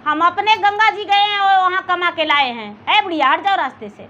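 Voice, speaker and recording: Woman voicing a boastful, high-pitched village priest. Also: fairly quick, bright, forceful tone, muffled recording. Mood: scornful. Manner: bragging, dismissive.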